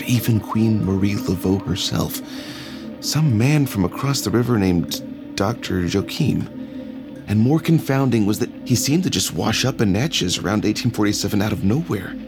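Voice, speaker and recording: An actor playing a nervous young male anthropology professor who hesitates and fumbles. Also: fairly low pitch. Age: young adult. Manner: hesitant, fumbling, full of uhs.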